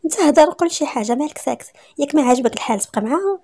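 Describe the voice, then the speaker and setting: A woman's voice: fairly high pitch, very fast, gravelly, dark tone, husky. A woman voicing a desperate Moroccan young wife. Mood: angry.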